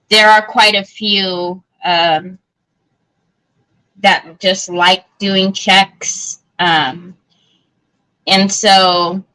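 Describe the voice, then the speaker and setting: A woman's voice: on the low side, bright, forceful tone, clear, resonant tone, rough recording. A woman hosting a live crafting stream, chatting casually and answering viewer comments with lots of fillers and restarts. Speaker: craft livestream host.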